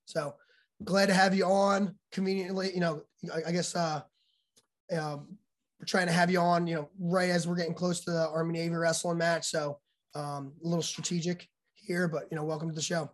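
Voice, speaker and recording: A man's voice: fairly high pitch, flat delivery, moderate pace. A male podcast host, his voice still recovering from being lost, asking loose, rambling questions with many fillers. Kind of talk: casual podcast interview.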